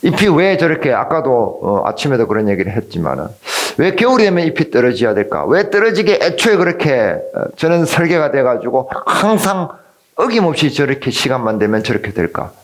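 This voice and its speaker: Male pastor, sermon, chatty, quizzes the congregation, animated pitch. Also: a little fast. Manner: conversational, keeps asking the congregation questions. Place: church.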